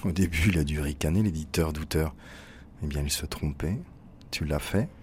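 A man reading a literary first-person text as narrator, in an intimate, measured way. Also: rumbling low, darkish tone, a little hiss or hum.

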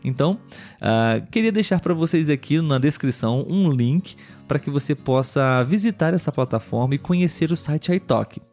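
A young Brazilian man who hosts a language-learning podcast, speaking clearly and warmly as he talks directly to learners. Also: a little high, expressive, normal speed, faint music behind. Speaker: podcast host and Portuguese tutor.

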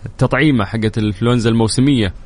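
A man's voice: medium pitch, racing. A man hosting a radio call-in show, breezy and joking as he runs a contest and promotes an event. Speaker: radio host. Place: radio studio.

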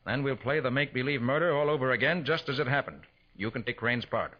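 A man acting a confident master detective in a 1940s radio crime drama, brisk, deliberate and authoritative. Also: mid-range voice, close to an everyday voice. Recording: dull vintage 1940s radio recording.

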